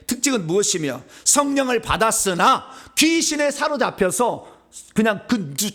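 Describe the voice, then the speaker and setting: Lively high-pitched Korean pastor preaching. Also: male voice. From Seoul. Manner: conversational preaching, asks the congregation questions and answers them himself. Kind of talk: sermon.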